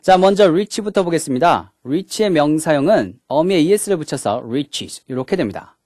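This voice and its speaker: A man's voice: a little high, lively intonation, normal speed, darkish tone. A man giving a recorded English grammar lecture, walking through each point step by step and opening each one with a short "자". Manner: mixes English words into the explanation.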